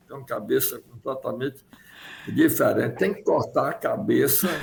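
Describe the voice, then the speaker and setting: A man keeps a moderate pace while noticeable noise runs in the background. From Brazil (Salvador, Bahia), born in Ukraine. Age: 80s+. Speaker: sailor and engineer. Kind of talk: interview.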